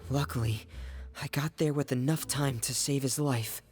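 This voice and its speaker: Brief: male actor for a reserved young man, soft-spoken, mid-pitched, earnest, game music underneath. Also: fairly even intonation, moderate pace, natural voice.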